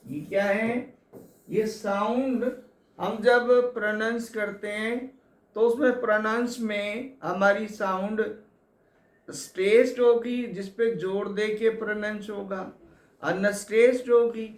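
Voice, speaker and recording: A man teaching English literature for exams, explaining slowly and repeating key points to his students. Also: high-pitched, steady tone. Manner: slow, repetitive explaining, addresses students as kids. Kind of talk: exam coaching lecture. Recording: echoey room.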